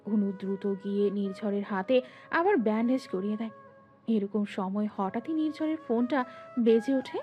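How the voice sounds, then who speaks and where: A woman narrating a scripted romantic story in an expressive storytelling manner. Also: mid-range voice, moderate pace, muffled recording. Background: background music.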